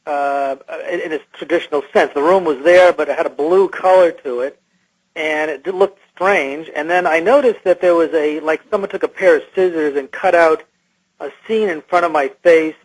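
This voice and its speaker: A male interview guest whose voice has been electronically altered to disguise him, sitting on the high side for a man. He recounts his own experiences in a halting, hesitant way, feeling for his words as he goes. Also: low-quality recording.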